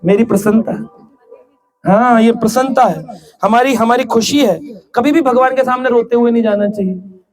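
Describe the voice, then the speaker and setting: A man with a very high voice gives a devotional lecture. He jokes, asks his listeners questions and acts out little scenes in story voices. The live recording has a crowd that laughs along. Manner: humorous, with questions to the audience. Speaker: ISKCON preacher. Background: audience laughing.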